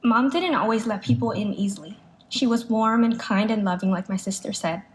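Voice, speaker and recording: A woman's voice: a little high, brisk, low-quality recording. A woman reads out a prepared eulogy, speaking as a daughter. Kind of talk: prepared memorial speech read aloud. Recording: live speech with clear background noise.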